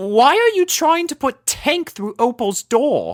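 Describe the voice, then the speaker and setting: A put-on character voice with a high pitch and very wide pitch swings moves at a fairly slow pace. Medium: read story. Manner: genteel, refined.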